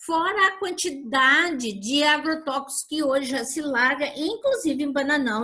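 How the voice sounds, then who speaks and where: Raising and projecting her voice, a woman speaks at a fairly slow pace, with a high pitch, a bright, sharp tone and lively intonation. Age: 60s. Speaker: supplement sales trainer. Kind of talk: training talk.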